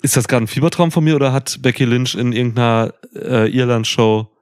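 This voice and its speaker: A man's voice: mid-range voice, fast talker, a little mellow, clear, resonant tone, no echo, studio quality. A man co-hosting a podcast, chatting casually and throwing in teasing jokes. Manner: joking, teasing interjections. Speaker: podcast co-host. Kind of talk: casual chat about wrestling.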